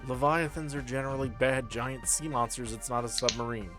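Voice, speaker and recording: A man's voice: medium pitch, steady tone, fairly quick, loud music behind the voice. A man speaking informally as game master, narrating a tabletop horror game. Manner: informal, profane.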